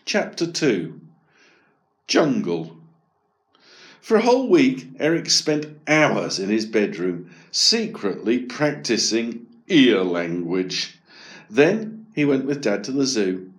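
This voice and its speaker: A man narrating a children's story aloud. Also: medium pitch. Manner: slow, expressive storytelling.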